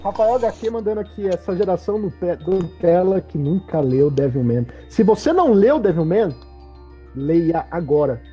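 A woman's voice: fairly low pitch, big pitch swings, moderate pace, warm tone. A woman hosting a casual livestream chat in Brazilian Portuguese, reading viewer comments aloud and putting questions to her co-hosts. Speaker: host. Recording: dull lo-fi stream audio with faint music.

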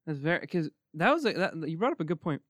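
A young man from Morocco hosting a casual podcast chat. He rambles quickly, full of "like" and "you know what I mean". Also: a little high, very animated, no echo, clean studio sound. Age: young adult. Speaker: podcast host.

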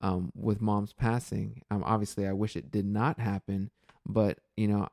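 Mellow-voiced earnest male podcast host. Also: on the low side, no echo, studio quality. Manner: earnest, thinks aloud with many fillers and restarts. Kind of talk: casual reflective chat.

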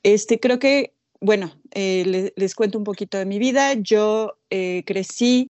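A woman's voice: mid-range voice, a little slow, a little mellow, no echo. Mexican woman guest on a dry mic. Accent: Mexican Spanish. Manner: thoughtful, with frequent hesitations. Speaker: podcast guest. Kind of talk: casual personal storytelling.

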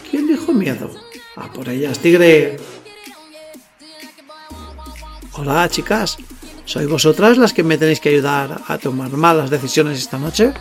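A man's voice: fairly high pitch, expressive, normal speed. An actor playing a cocky, lustful young man in a werewolf costume, narrating his night in slangy, self-mocking audio fiction. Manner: slangy, boastful, talks to himself. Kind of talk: first-person audio fiction narration with dialogue. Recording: roomy echo, faint music behind.

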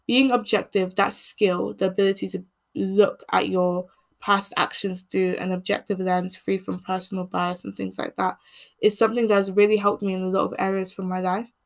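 A young woman from England hosting a podcast, speaking in an earnest, measured monologue, with a voice that turns croaky as she keeps talking. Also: medium pitch, flat delivery. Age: teens. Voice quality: croaky voice when speaking long. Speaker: podcast host. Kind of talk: reflective solo monologue.

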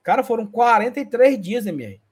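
Husky high-voiced man. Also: lively intonation, brisk. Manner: playful, reads comments aloud with greetings. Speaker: co-host of a fan channel show reading viewer comments. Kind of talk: casual live-stream chat.

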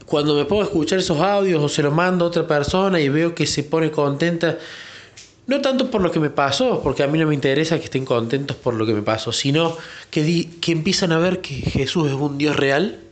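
A man giving an earnest, reflective personal faith testimony, sometimes pausing to search for words. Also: a little high. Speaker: church member giving testimony.

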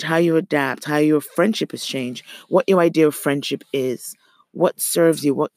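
A woman hosting a motivational solo podcast, talking in an earnest, encouraging way with a slightly hoarse, raspy voice and repeating phrases for emphasis. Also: deep voice, a little mellow, no room sound, clean studio sound. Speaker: podcast host.

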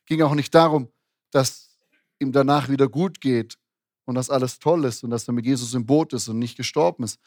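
A man's voice: medium pitch, moderate pace, darkish tone, no room sound, studio quality. A man preaching a sermon in a conversational way, with frequent restarts and tag questions. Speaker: pastor.

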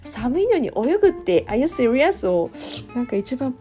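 Lively, chatty middle-aged woman teaching. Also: high-pitched, a little slow, faint music behind. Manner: chatty and animated, laughs often, drills phrases over and over. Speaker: English teacher and podcast host. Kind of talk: casual spoken English lesson.

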